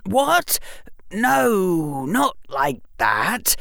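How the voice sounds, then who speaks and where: A woman's voice: medium pitch, big pitch swings, drawn-out words, creaky, a bit bright, no room sound, studio quality, pitched above the performer's own voice, exaggerated voice. A woman voicing a clever, eager eleven-year-old boy who argues in an earnest, wheedling way. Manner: earnest, wheedling, lawyerly reasoning.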